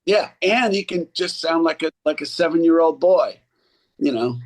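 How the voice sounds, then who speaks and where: A man in his sixties, an actor and voice coach, telling animated stories in a casual interview and slipping into others' voices. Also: a little high, normal speed. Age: 60s.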